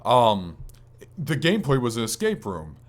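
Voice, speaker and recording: A man's voice: mid-range voice, huge pitch swings, normal speed. A man hosting a gaming podcast, talking in an informal, rambling way with casual swearing. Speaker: podcast host.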